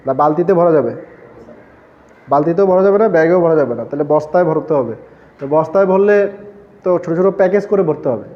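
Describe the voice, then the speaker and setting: A man's voice: on the high side, lively intonation, fast, long pauses, highs cut off. A man teaching a classroom lecture, explaining step by step and asking the class questions that he answers himself. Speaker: textile engineering lecturer.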